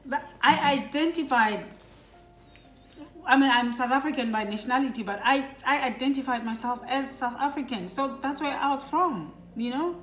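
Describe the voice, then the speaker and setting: A woman's voice: sits high, normal speed, fairly bright tone. Chatty middle-aged woman, roomy echo. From Lesotho. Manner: chatty, reflective storyteller with frequent fillers. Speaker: vlogger talking with her children. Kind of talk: casual family chat. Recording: roomy echo with faint background music.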